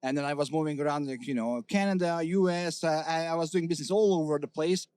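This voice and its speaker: A man's voice: on the high side, quick pace, darkish tone, smooth, dry recording. A middle-aged man from Hungary, a company CEO talking candidly in an interview, with many fillers and restarts. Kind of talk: casual interview talk.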